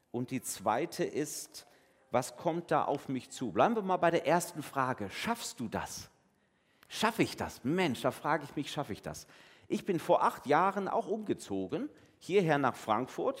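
A pastor giving a family service sermon in a conversational, lively way, acting out voices in the dialogue he retells. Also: medium pitch. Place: church. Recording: long church reverb.

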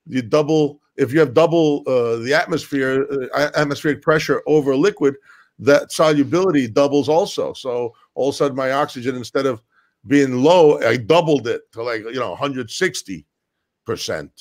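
A man's voice: mid-range voice, moderate pace. A man talking as a guest in a casual chat, a blunt storyteller who swears freely and fills his speech with "uh" and restarts. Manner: many fillers and restarts. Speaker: podcast guest.

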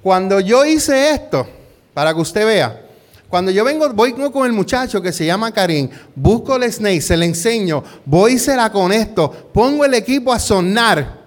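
Pastor with a somewhat high voice. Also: male voice, big pitch swings, moderate pace. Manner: peppers talk with rhetorical questions and "¿verdad?"; drops English words into Spanish. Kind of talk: conversational sermon with personal story.

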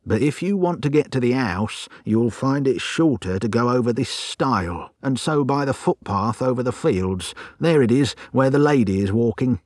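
A man's voice: mid-range voice, lively intonation, normal speed, hardly any pauses, darkish tone, no room sound, clean studio sound, lightly acted. A man voicing a plain-spoken, deferential country carriage driver in an audiobook story, folksy and obliging.

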